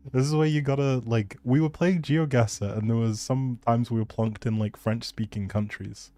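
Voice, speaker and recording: Mellow-voiced man chatting on a livestream. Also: medium pitch, fairly even intonation, measured pace, dry recording. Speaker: live game streamer. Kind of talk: casual livestream chat with viewers.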